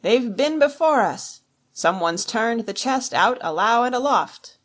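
A rough seafaring pirate crewman, voiced by a woman reader in an adventure audiobook. He calls out in plain sailor talk, projected above ordinary speaking level. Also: fairly low pitch, a little slow. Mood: loud, alarmed. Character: rough male pirate crewmen reporting to their leader. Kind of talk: dramatised audiobook adventure storytelling.

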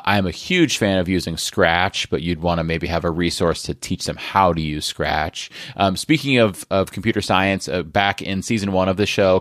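Middle-aged male podcast host, deep voice, chatty and rambling, dry close mic. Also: no room sound. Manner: chatty, friendly, rambling with restarts. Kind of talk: solo podcast segment.

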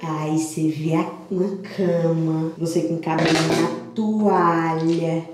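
A woman's voice: low-pitched, steady tone, takes it slowly, over music. A young woman with a Brazilian Portuguese accent, vlogging casually at home and talking candidly and directly to her viewers. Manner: chatty, candid, talks straight to viewers. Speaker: lifestyle vlogger. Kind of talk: casual vlog talking to camera. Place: bedroom at home. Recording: echoey room with faint noise.

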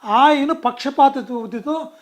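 High-voiced man, emphatic guest. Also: unhurried. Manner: emphatic, with many restarts and self-corrections. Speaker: political guest. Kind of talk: political interview.

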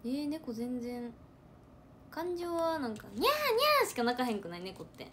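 Young woman, Kansai accent, fairly high voice; casual livestream chat, animated, loops back over her words. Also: normal speed, a little hiss or hum. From Hyogo, Japan. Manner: chatty, animated, repeats words for emphasis. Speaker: idol trainee livestreamer.

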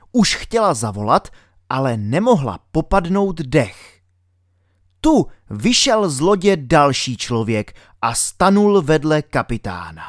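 A man reads a children's adventure storybook aloud with an expressive, animated delivery. His pitch moves freely through each sentence. The recording is dry and close to the mic. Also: no room sound. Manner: expressive, lively reading. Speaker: audiobook reader. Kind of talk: storybook narration.

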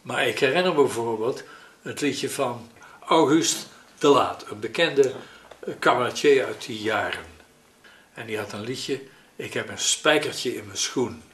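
An elderly man, recalling memories in a hesitant, pausing, conversational way. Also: medium pitch, fairly bright tone. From Netherlands. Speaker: interviewee recalling his childhood. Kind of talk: spoken reminiscence in an interview. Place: living room at home, indoors. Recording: roomy echo with faint noise.

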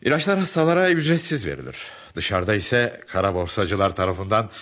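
An actor playing an earnest, cautious hospital doctor in a radio drama, speaking in a measured, matter-of-fact way. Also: male voice, on the low side, very animated, a bit bright. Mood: calm, informative. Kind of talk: Turkish radio drama acting.

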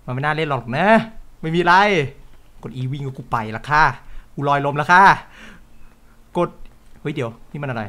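A young man giving excitable, jokey let's play commentary, swearing and shouting at scares. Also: a little high, normal speed, long pauses. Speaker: game streamer.

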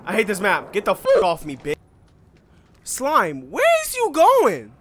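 A young man commentating his own gameplay, excitable and loud, cursing and repeating himself, his voice going hoarse. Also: sits high, unhurried, a little hiss or hum. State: losing his voice. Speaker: gaming YouTuber.

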